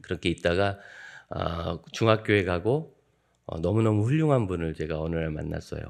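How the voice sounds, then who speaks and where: A man in his fifties, a guest pastor preaching at a dawn church service, telling joking stories from his childhood in a lively way. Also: sits low, moderate pace, creaky. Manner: lively, joking anecdotal storytelling. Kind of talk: sermon with humorous storytelling.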